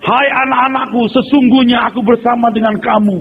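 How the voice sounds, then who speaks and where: A man mimicking a shrill self-styled prophet. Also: fairly even intonation, a little fast, long reverb tail. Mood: mock solemn. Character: theatrical self-styled prophet claiming to speak as God. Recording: tinny phone-like sound, faint noise.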